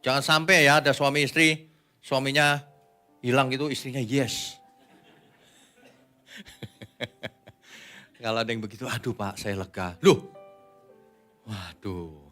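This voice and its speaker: A man, a pastor, preaching a sermon in a conversational way, asking the congregation questions and moving between quiet asides and loud emphatic lines. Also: mid-range voice, fairly even intonation, slow, long pauses, faint music behind.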